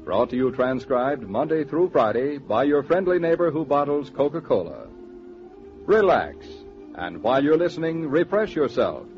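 A man announcing a 1940s radio show in a smooth, salesy manner. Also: a little high, very animated, moderate pace, music in the background. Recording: dull old radio transcription.

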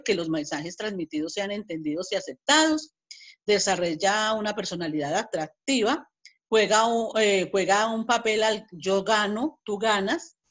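A woman with a Colombian Spanish accent teaching an online class, explaining step by step with frequent restarts and repeated words. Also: mid-range voice. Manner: reads example dialogues aloud with emphasis.

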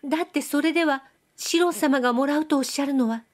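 Brief: coy young girl with a soft nasal lilt, pitched high, as a woman reader puts her on. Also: brisk, natural voice. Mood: coy, pleading. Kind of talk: audiobook reading.

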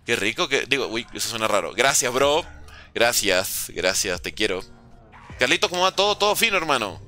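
Lively bright-voiced streamer man. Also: medium pitch, moderate pace, soft background music. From Venezuela. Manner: reads chat aloud and jokes with viewers. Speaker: gaming streamer. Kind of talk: casual live-stream chat while playing. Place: at home, room with a window.

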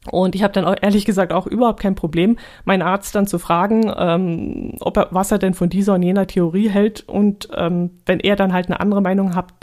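A woman talks alone into her podcast mic in an easy, casual way. She digresses freely and laughs at her own jokes. Her voice sits at a middle pitch. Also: darkish tone. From Allgäu, Germany. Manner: chatty, digressive, laughs often. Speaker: podcast host. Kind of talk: casual solo podcast monologue.

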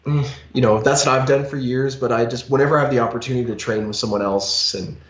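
A man's voice: medium pitch, fairly even intonation, fast. Emphatic man on a headset call. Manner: emphatic, many "you know" fillers. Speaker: podcast co-host. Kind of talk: casual podcast chat. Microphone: headset on a video call. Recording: echoey, slightly dull call audio.

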